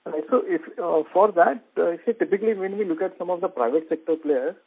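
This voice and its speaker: Guy analyst asking stuff on a call, highish voice, thin phone audio, bit tentative. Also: a little fast, vocal fry, breathy edge, phone-quality sound. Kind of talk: earnings call questioning.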